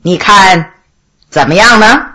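A woman voicing a stern middle-aged male imperial judge who speaks slowly and reproachfully in a told story. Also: sits high, sing-song, bright, forceful tone, heavily acted. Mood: coldly measured. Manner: slow, measured, coldly reproachful.

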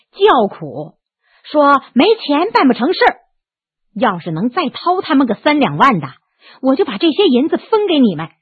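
A woman's voice: sits high, breathy edge, exaggerated voice. A woman voicing a shrewd, aging brothel madam in a storybook reading, sighing and worldly, tough under the weariness. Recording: tinny narrow phone-like sound, dry.

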